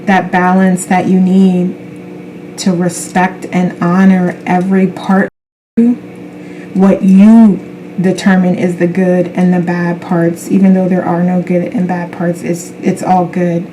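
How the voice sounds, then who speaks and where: A woman speaking as a spiritual self-help influencer, giving an unscripted card reading in a gentle, affirming way with unhurried pauses. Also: lowish voice, little pitch movement, a little hiss or hum, rough recording. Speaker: tarot card reader.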